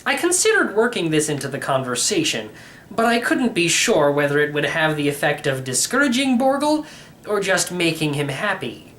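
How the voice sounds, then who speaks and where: A man reading a first-person storybook narration in an expressive, wry manner. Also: fairly high pitch, moderate pace. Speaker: storybook reader.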